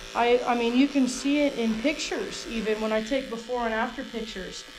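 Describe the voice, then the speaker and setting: A woman speaks at a moderate pace. There is noticeable noise in the background. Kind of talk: casual vlog chat. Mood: explaining, slightly defensive. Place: shop.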